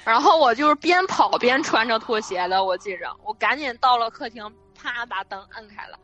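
A woman casually telling a true eerie story over a remote call, in a vivid, animated way with frequent restarts. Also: fairly high pitch, moderate pace, dull audio, faint music behind. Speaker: guest storyteller.

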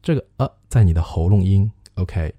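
A man hosting a radio-style English pronunciation lesson, patiently explaining and modeling phrases in slow, drawn-out repetitions. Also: sits low, lively intonation, warm tone, dry recording, highs cut off. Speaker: English teacher and show host.

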